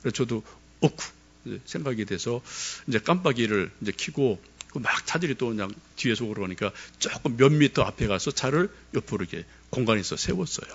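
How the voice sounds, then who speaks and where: A middle-aged man preaches a sermon, his pitch rising and falling in a lively way as he tells stories and asks the congregation questions. The recording sounds dull and lo-fi. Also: a little fast, breathy edge. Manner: storytelling, addresses congregation directly with questions. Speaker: pastor.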